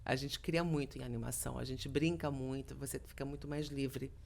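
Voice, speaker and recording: A woman's voice: very deep voice, fairly quick, gravelly. A middle-aged woman from Brazil, a voice actress being interviewed on a podcast, telling stories and acting out quoted dialogue. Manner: lively storytelling, acts out quoted dialogue. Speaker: voice actress, guest.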